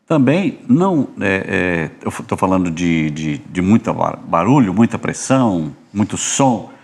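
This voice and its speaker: A man's voice: low-pitched, sing-song, unhurried, creaky, darkish tone. A Brazilian man, host of a church podcast, telling anecdotes in a rambling way with restarts. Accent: Brazilian Portuguese. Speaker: podcast host, music minister. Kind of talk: casual church podcast chat.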